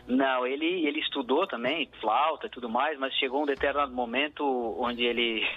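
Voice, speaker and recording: A musician from southern Brazil, speaking Portuguese with a southern Brazilian accent, answers radio interview questions reflectively, with plenty of fillers and restarts. His mid-range voice is steady, fairly quick, and husky, and the recording has its highs cut off.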